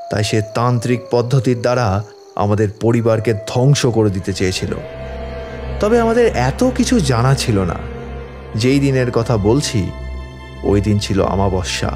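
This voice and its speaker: Male role: distraught, deferential village father in a horror audio drama acted by a man, very animated pitch, music underneath. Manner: tearful, deferential, pleading. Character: distraught village father, pleading for his afflicted daughter.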